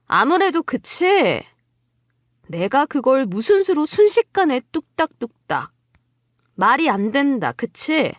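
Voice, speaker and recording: Woman playing sarcastic young wife, high, lively voice. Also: no echo, clean studio sound, exaggerated voice. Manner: sarcastic, taunting. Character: wronged young wife, sarcastic, defiant, coolly mocking. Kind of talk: dramatized story acting.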